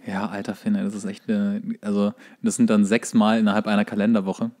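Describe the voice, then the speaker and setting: A man's voice: fairly low pitch, flat delivery, brisk, mellow. A man co-hosts a podcast in a jokey, colloquial, rambling way. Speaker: podcast co-host. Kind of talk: casual comedic podcast chat.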